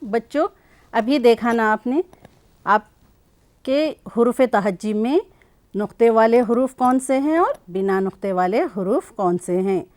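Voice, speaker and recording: A middle-aged woman teaches young children with a slightly raised voice. She explains patiently, asks questions and slowly repeats each sound. Her voice sounds dry and close. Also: on the high side, a little mellow, no echo. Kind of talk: classroom lesson for children.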